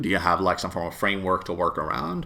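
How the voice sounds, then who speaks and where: A man talks at a very fast pace with a non-native accent. His tone is bright and sharp. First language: not English. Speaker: YouTube commentator. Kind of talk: casual discussion. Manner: halting.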